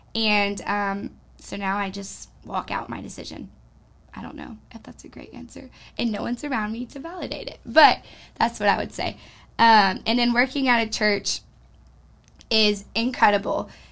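A woman with a fairly high voice and vocal fry speaks at a moderate pace with ordinary pitch variation, big swings in loudness, and long, frequent pauses. The recording is very clean with a silent background. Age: 20s. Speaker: podcast host. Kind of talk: solo Q&A podcast. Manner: animated.

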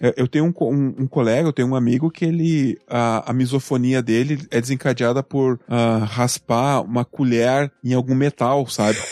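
Over a quiet background, a man with a normal speaking voice and medium pitch talks at a moderate pace, with fairly even intonation, very even loudness, hardly any pauses and a dry, close sound with no echo. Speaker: industrial engineer. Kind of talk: casual chat.

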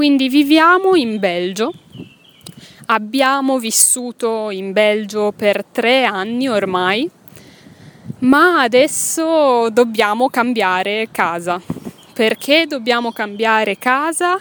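A woman speaks at a very slow pace, with long, frequent pauses. Her pitch is fairly high. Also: lively intonation. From Italy, Milan. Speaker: Italian teacher podcaster. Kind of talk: language lesson in simple Italian. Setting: walking while recording. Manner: slow, clear.

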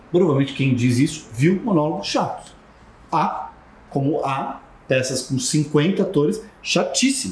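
Audible room echo surrounds a man talking at a fairly slow pace, his fairly high pitch carried by lively intonation. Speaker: stage actor and director. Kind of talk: casual interview.

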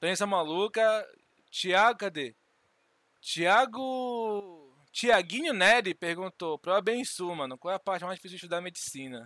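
A raised, projected voice comes through bright and sharp, with lively intonation and big swings in loudness at a fairly slow pace. The recording is very clean with a silent background and dry, close sound with no echo. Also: man, high pitch for a man. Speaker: podcast host. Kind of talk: casual chat. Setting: live stream.

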